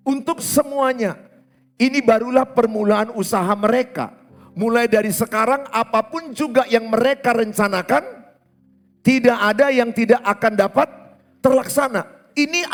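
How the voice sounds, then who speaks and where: A man's voice: very high voice, a bit bright. A middle-aged man preaching in church with a Batak accent, asking the congregation questions and mimicking regional accents. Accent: Batak-inflected Indonesian. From Indonesia. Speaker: pastor. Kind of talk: sermon. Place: church hall.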